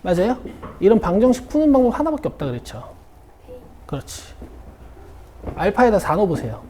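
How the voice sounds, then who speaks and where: This woman from South Korea runs a math lesson at an academy classroom, pausing her problem-solving to check in with the class. She speaks fairly quickly in a sing-song, medium-pitched voice with a dark tone, and a little background noise can be heard.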